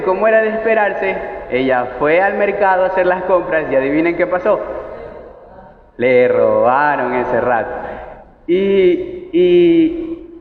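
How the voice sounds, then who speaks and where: A man preaching a sermon in a conversational way, asking the congregation questions. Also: high voice. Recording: echoey hall, tinny phone-like sound.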